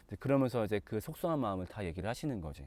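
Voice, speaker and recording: A man teaching through a dramatic, animated storytelling style. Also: on the low side, very fast, dry recording. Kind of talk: storytelling lesson.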